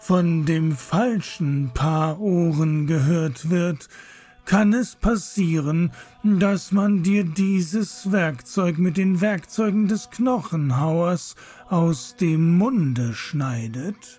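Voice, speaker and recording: Music plays behind a man speaking at a high pitch and a very slow pace. His intonation is lively. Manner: warning, then scolding and authoritative.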